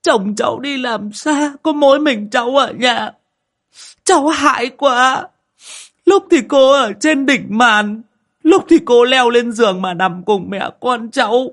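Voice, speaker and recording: A man's voice: very high-pitched, a little slow, fairly bright tone, pitched above the performer's own voice, full character voice. A man voicing a terrified young village mother pleading tearfully for help.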